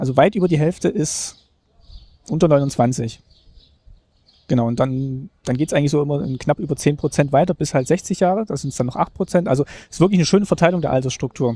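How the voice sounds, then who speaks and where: A man's fairly high, somewhat breathy voice with a dark, mellow tone, fairly quick pace, ordinary pitch variation and long, frequent pauses, recorded dry and close with no echo. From Thuringia, East Germany (Gera). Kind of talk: casual chat. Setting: walking through a museum.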